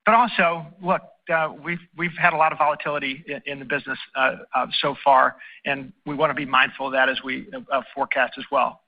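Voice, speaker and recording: A man speaking as an airline chief executive, answering analysts on an earnings call in halting phrases. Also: mid-range voice, fairly even intonation. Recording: dull conference call audio.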